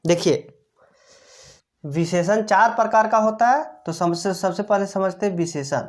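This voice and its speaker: A woman's voice: medium pitch, measured pace. A woman grammar teacher explaining step by step, asking rhetorical questions and answering them herself, repeating each key term. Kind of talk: classroom-style explanation.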